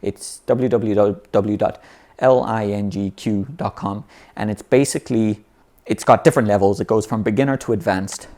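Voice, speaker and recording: A man's voice: on the low side, fairly even intonation, moderate pace, dark tone. A man teaching how to learn vocabulary in an easygoing, unscripted way, often restarting phrases and saying "you know". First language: English. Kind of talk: unscripted explanatory talk.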